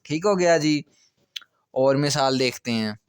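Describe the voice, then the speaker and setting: Man teaching grammar, smooth clear voice. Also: medium pitch, measured pace, no room sound, studio quality. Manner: patient, repeats checks like "okay" often. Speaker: language teacher. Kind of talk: explanatory grammar lecture.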